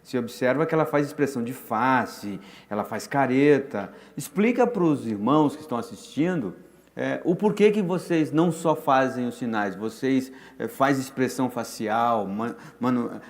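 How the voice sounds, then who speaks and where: A man's voice: mid-range voice, animated, moderate pace. A man interviewing a guest on a church talk show, asking long, winding questions. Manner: asks long, rambling questions.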